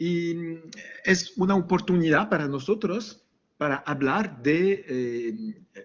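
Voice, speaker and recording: A man speaks with a high pitch and lively intonation. His pace is very slow. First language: not Spanish (speaking Spanish). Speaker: environmental pact advocate, panelist. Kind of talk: conference presentation, partly read. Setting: online webinar. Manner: halting.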